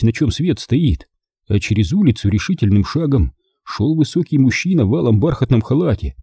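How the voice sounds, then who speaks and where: A man reading an audiobook aloud with lively, expressive storytelling. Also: fairly low pitch, husky, no echo, clean studio sound. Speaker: audiobook reader. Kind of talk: audiobook narration.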